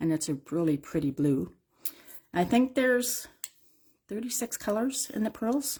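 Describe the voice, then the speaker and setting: A woman with a fairly high, dark and mellow voice speaks at a moderate pace with very wide pitch swings, a somewhat breathy quality and long, frequent pauses, in a very clean recording with a silent background. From Canada. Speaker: craft demonstrator. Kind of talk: live craft tutorial. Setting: social media livestream. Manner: casual, chatty.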